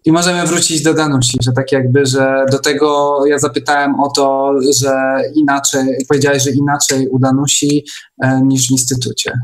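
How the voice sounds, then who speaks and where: A man hosting a casual online chat, speaking in a hesitant, halting way. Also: medium pitch, level tone, slight background noise. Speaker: host.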